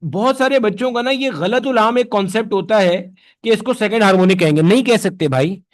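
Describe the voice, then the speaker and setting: High-voiced man teaching physics. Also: fairly quick. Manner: conversational, answers his own questions in students' voices. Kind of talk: classroom lecture.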